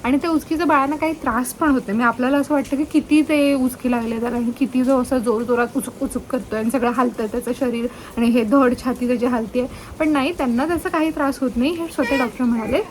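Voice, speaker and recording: A woman's voice: sits high, fairly even intonation, quick pace, few pauses, slight background noise. A young woman with a Marathi accent chatting to camera at home as a vlogger and new mother, mixing in English words as she goes. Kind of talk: casual chat to camera and baby talk.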